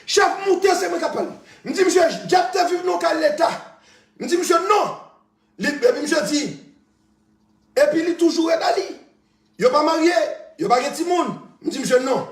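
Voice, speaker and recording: A man with a Haitian accent, ranting loudly on a live stream, repeating phrases and laughing between shouts. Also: extremely high pitch, animated, normal speed, echoey room. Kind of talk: heated live-stream rant.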